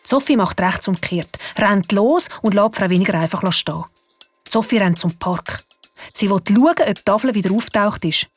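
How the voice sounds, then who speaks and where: A woman with a Swiss German accent narrating a children's radio play in a lively, expressive way. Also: medium pitch, moderate pace, soft background music. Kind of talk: storytelling narration.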